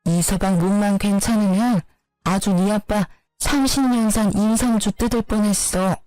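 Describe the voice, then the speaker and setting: Excited, talkative middle-aged mother, read by a woman, rattling on fast. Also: mid-range voice, no room sound, faint music behind, natural voice, low-quality recording. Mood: gushing. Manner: rapid, gushing talk.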